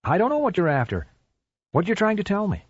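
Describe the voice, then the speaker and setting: An exasperated man pleads with his dog in a voice that climbs high and swings wide, as a male narrator puts him on. The tone is breathy and the recording dry and dull, like an audiobook read close to the mic. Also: wildly swooping pitch, fairly quick, no room sound, heavily acted. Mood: bewildered. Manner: exasperated, questioning.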